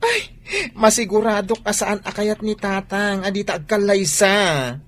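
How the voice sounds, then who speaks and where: A woman's voice: medium pitch, measured pace, natural voice. A woman playing a dramatic, effeminate gay man who pleads and whines in a theatrical radio drama style. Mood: pleading, insistent.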